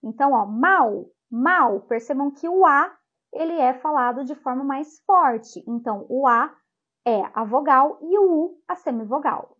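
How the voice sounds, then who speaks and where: A young woman teacher giving a lively grammar lesson, drawing out example words slowly to stress their sounds. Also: high voice, muffled recording.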